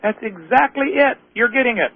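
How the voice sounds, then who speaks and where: A man's voice: very high-pitched, lively intonation, moderate pace, slight background noise. A man hosting a call-in radio show, arguing with a caller in a lecturing way and firing off rhetorical questions. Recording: tinny phone-line radio audio.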